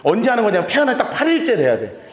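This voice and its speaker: A man preaching a sermon as pastor, playful and animated, acting out little scenes as he teaches. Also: sits high, very fast, reverberant. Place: church.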